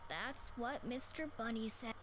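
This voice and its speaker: A woman's voice: a little high, a little slow, fairly bright tone. A woman playing a childlike girl attached to her toy bunny in a video game. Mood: timid.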